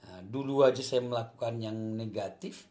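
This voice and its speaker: A man from Aceh, Indonesia, with an Acehnese accent, tells his faith story as a guest in a casual interview, speaking earnestly and emphatically and repeating his points. His voice is medium-pitched and a little mellow, at a moderate pace, recorded in an echoey room.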